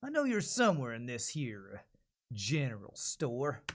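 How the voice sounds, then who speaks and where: Man playing a slow-drawling stern Old West marshal. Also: medium pitch, wildly swooping pitch, slight background noise, voice pushed down. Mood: stern menacing. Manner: slow, deliberate cowboy drawl.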